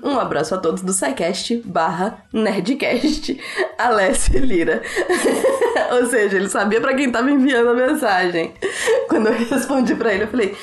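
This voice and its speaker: A woman's voice: fairly high pitch, moderate pace. Brazilian woman host reading listener emails. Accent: Brazilian Portuguese. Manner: chatty, reads letters aloud then answers with laughs and fillers.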